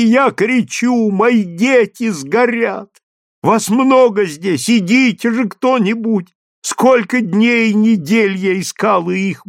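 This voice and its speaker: A man's voice: high-pitched, vocal fry, dry recording, clean studio sound, pitched above the performer's own voice, heavily acted. A man reading aloud and voicing a desperate peasant mother who pleads with wailing cries for her children.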